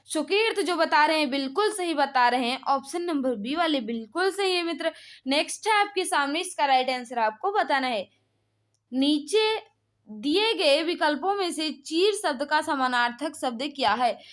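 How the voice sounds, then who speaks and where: High-pitched woman teaching a quiz. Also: lively intonation. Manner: brisk prompting, repetitive set phrases. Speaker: online exam-prep teacher running a live quiz class. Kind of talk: live quiz lesson, reading questions and confirming answers.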